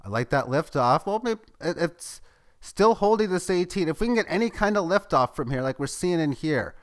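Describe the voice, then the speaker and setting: A man giving live, tick-by-tick commentary on a price chart as the host of his channel, growing excitable at key moments. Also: moderate pace. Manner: running play-by-play, excitable at highs. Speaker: market chart analyst.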